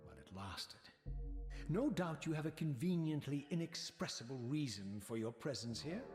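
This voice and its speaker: Undead wraith from a gothic video game, bitter and proud, formal measured sardonic delivery, music behind him. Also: male voice, fairly high pitch, sing-song. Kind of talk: theatrical gothic video game narration and dialogue.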